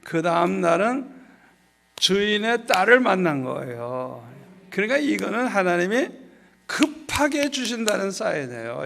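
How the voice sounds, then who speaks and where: An older man, a pastor, telling a testimony in an animated revival sermon and prompting the congregation with repeated "eh?". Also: a little high, vocal fry. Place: large church.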